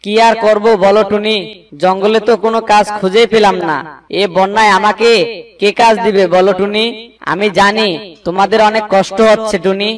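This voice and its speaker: A man's voice: sits high, flat delivery, normal speed, distant mic, natural voice. A man voicing a worried, caring father bird in a children's cartoon, earnest and plaintive but reassuring. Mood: distressed, earnest.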